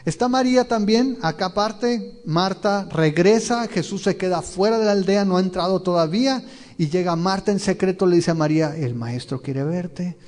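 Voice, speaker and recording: A man's voice: sits high, normal speed, a little mellow. A man, a pastor teaching a verse-by-verse Bible sermon. He often asks his listeners questions and retells the scenes vividly. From Mexico. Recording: long reverb of a large hall.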